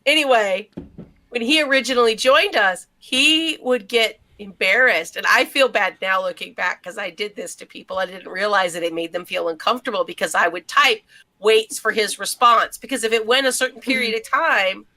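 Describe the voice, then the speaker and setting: A woman's voice: medium pitch, moderate pace, sharp tone. A woman co-hosting a podcast, telling anecdotes in casual conversation. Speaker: podcast co-host.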